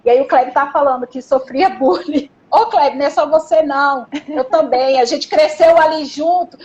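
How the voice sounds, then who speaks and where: A woman's voice: high-pitched, moderate pace, a little mellow, dull audio. A woman guest, an educational psychologist, chatting casually and telling stories from her school work. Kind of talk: casual chat.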